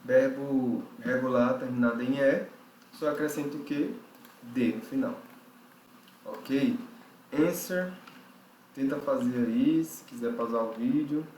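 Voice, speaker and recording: A man's voice: mid-range voice, slow, pauses often, a little mellow. A man teaching an English grammar lesson. He explains patiently and often checks in with "ok?". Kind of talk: recorded online lesson. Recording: roomy recording with faint background noise.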